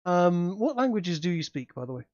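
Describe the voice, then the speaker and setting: A man's voice: sits high, very animated, darkish tone, no room sound, highs cut off. A man narrating a tabletop game as game master, describing scenes with frequent fillers and restarts. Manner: halting, many restarts and fillers.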